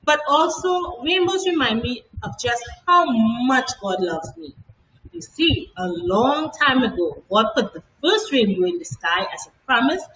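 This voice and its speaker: Woman as a gentle storybook mother, lively intonation. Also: fairly high pitch, measured pace. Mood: loving, reassuring. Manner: soothing, patient explaining. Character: gentle, loving young mother, patient and reassuring. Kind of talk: children's storybook read aloud. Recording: echoey room, distant mic, slight noise.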